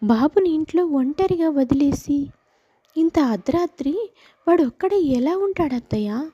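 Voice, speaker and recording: A woman's voice: high voice, animated, measured pace, mellow, muffled recording. A woman voicing a worried young wife and daughter-in-law, pleading and tearful. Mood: gentle.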